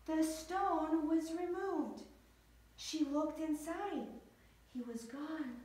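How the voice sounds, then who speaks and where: A woman telling a Bible story to children in a church, slow and expressive, often asking the listeners questions. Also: high voice, recorded from a distance. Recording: echoey church hall.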